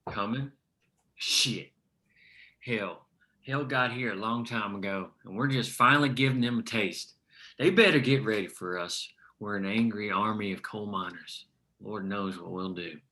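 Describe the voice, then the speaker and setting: A man reading the part of a troubled, devoted leader of striking coal miners in a screenplay table read, with a gravelly voice. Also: lowish voice, a little slow, pushed and bright. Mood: grim defiance.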